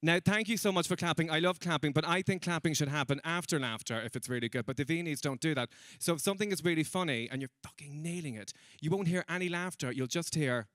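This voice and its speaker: A man's voice: a little high, fast talker, hardly any pauses, a bit bright, no echo, studio quality. A young man doing a stand-up comedy set, chatty and teasing with the crowd and laughing at his own jokes. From Ireland. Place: comedy stage in a room with an audience.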